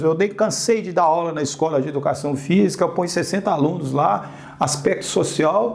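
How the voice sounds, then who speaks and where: A man talks in an ordinary speaking voice, fairly high-pitched, at a moderate pace. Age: 60s. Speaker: interview host. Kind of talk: interview conversation. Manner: rambling with frequent tag questions.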